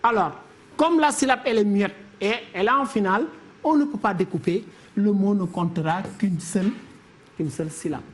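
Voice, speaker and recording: A woman teacher gives a televised literature lesson, counting syllables slowly and deliberately in a mid-range voice.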